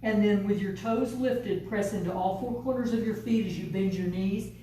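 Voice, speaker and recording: A woman leads a yoga class with calm, patient, step-by-step cues. Her voice is mellow and soft-edged. She is heard from some way off the mic in a very echoey studio room with faint ambience behind her. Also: mid-range voice, recorded from a distance, a little hiss or hum. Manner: calm, unhurried step-by-step cueing. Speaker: yoga teacher. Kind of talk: guided yoga class instruction.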